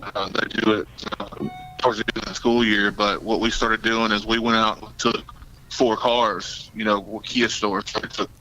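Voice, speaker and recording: A man joins over a video call whose connection keeps cutting out, so the sound is choppy and broken. His voice sits low and fairly flat, with a bright, sharp edge, over a faint hiss. He talks in a casual, halting way, stopping often to fill gaps with um and uh. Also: rough recording. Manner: chatty, halting, fills with um and uh. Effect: choppy, breaking-up video call audio. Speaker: car dealer panel guest. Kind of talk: casual panel discussion. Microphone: remote video call.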